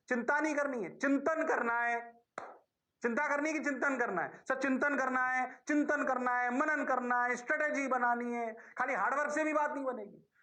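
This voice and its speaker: Middle-aged male physics teacher, Rajasthani accent, high-pitched, lively online lecture. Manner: animated, answers his own questions as the students.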